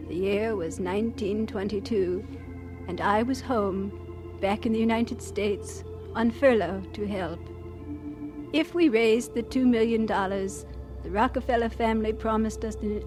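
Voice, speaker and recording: An actress playing an earnest, devout middle-aged woman missionary doctor who tells her story with measured pauses in a Christian radio drama. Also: medium pitch, close to an everyday voice.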